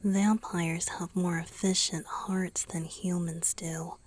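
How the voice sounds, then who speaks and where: A woman voicing a tender romantic young male vampire boyfriend in a gentle, breathy whisper for an ASMR roleplay. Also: lowish voice, level tone. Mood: gentle, caring. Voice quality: breathy, airy. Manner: slow, gentle, intimate.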